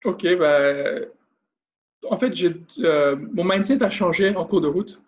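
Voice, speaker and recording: A man's voice: high-pitched, animated, slow, lo-fi sound. Belgian-accented Frenchman, hesitant. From France. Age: 30s. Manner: hesitant, many fillers and restarts. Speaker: guest, business consultant and trainer. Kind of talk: casual interview, explaining.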